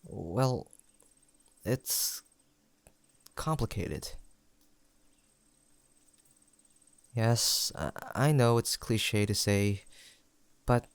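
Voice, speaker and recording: A man acting an affectionate young best friend in an intimate audio roleplay. His voice sits fairly low and is recorded close and dry. He chats gently and sincerely, with a playful, teasing streak. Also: lively intonation, extremely slow, pauses often, smooth, no room sound, full character voice. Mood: wistful, hesitant. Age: young adult.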